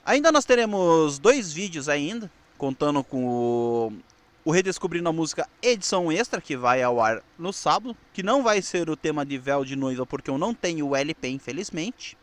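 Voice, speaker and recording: A Brazilian man presenting his video channel in an old newsreel announcer style, enunciating deliberately. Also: a little high, sing-song. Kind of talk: nostalgic radio-newsreel style video narration with scripted sign-off.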